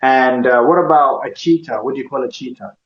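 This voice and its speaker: In an echoey room captured with slightly dull, lo-fi sound, a host from Kenya compares vocabulary with a guest, going word by word, questioning him and echoing the words back. He speaks with an East African accent in a brisk, mid-range voice of fairly even intonation.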